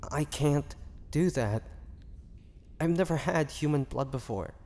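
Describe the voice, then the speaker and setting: A man voicing a starving, tormented vampire in a dramatic audio roleplay, speaking haltingly with breathy sighs. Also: a little high, a little mellow. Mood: pleading, tempted. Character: starving young male vampire, tormented, pleading, fighting bloodthirst. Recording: long echoing reverb, faint background noise.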